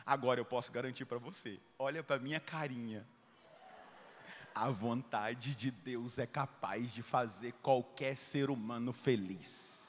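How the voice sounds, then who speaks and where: A middle-aged Brazilian man, a Catholic priest, preaching a sermon full of personal stories. He acts out dialogue and swings between loud and hushed speech. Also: medium pitch, a little slow, long reverb tail, a little hiss or hum. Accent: Brazilian Portuguese.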